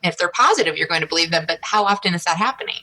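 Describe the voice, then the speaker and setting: A woman's voice: lowish voice, animated, rapid-fire, pushed and bright, a little hiss or hum. A woman co-hosting a podcast, speaking reflectively and hedging her points, often restarting with "I mean". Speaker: podcast co-host. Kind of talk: casual podcast conversation.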